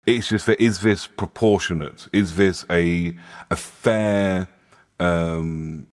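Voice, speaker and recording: Very deep-voiced British man, measured and explanatory. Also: fairly even intonation. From Britain. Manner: measured, explanatory, careful hedged phrasing. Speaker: English teacher and conversation co-host. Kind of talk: casual discussion of current affairs.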